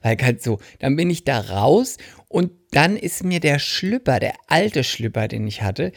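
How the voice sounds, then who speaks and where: A man co-hosting a casual comedic chat, telling stories and acting out quotes in a high voice. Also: a little slow, vocal fry, no room sound, studio quality. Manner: animated storyteller, acts out quotes in high voice.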